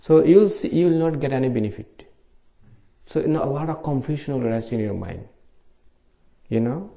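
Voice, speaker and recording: A middle-aged Buddhist monk from Bangladesh with a Bangladeshi accent, giving an informal dharma talk in simple English at a meditation retreat. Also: male voice, medium pitch, animated, normal speed, creaky, dark tone.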